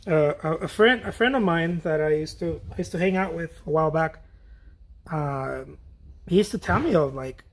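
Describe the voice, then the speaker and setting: A man's voice: a little high, normal speed. A man chatting casually while he paints on a livestream, rambling, repeating his phrases and swearing now and then. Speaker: painter streaming a demo.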